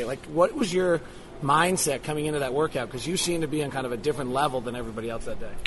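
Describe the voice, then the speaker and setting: Very fast speech over noticeable background noise. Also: man. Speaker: sports podcast host. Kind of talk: interview.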